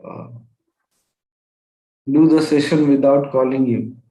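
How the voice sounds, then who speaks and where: A man as spiritual teacher, gently guiding a group meditation over a video call. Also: mid-range voice, roomy sound, rough recording. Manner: gentle, unhurried and encouraging. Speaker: spiritual teacher leading a session.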